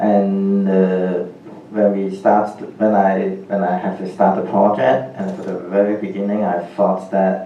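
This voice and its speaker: A man with a Cantonese accent speaks slowly-ish, at a fairly low pitch and in a flat monotone. There is noticeable background noise and audible room echo. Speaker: film director and scriptwriter. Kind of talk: panel Q&A discussion. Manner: halting, many fillers.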